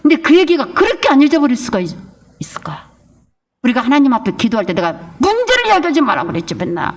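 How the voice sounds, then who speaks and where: Lively, emphatic woman pastor preaching. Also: sits high, quick pace. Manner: emphatic, scolding, acts out whiny prayers. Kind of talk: sermon.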